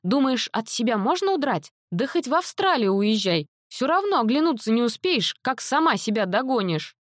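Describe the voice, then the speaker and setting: A high-strung storybook mother, shrill and exasperated, who scolds in a raised, tight voice, as a woman reader puts her on. The sound is close and dry, with no room around it. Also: big pitch swings, moderate pace, no room sound. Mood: indignant. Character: frantic scolding mother, middle-aged woman. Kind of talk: audiobook character voice.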